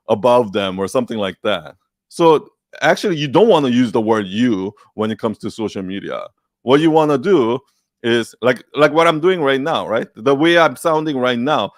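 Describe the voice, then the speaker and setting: Animated swearing man, dry sound. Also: mid-range voice, dry recording. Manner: animated, swears often, acts out quoted advice. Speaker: online creator answering questions. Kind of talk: casual livestream talk.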